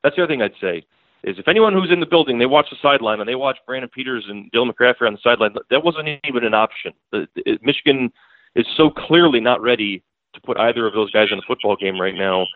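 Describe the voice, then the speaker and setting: This man's mid-range voice has lively intonation and a fast pace, coming through a tinny, dry phone line with no room sound. He's a beat writer guesting on the show by phone, analyzing a football game casually, rambling with plenty of restarts and fillers.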